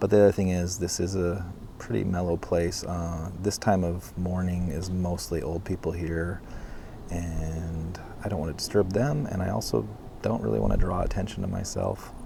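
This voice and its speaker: The speech moves at a moderate pace with ordinary pitch variation. Audible room echo surrounds the voice. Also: man, very deep, low pitch for a man. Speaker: vlogger. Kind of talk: vlog. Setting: outdoors. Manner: quiet, talking softly.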